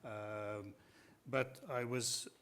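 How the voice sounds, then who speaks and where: A middle-aged man from Belgium whose first language is Dutch, a law professor on a panel, speaking in a measured, hesitant way. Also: lowish voice, steady tone, a bit bright. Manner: measured, hesitant, many uh fillers. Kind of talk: panel discussion.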